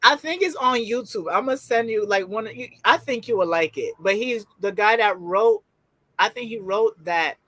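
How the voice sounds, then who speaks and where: A young adult woman co-hosting a casual TV review show at home, chatty and quick to laugh, with loose slang. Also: on the high side, fairly bright tone, dry recording.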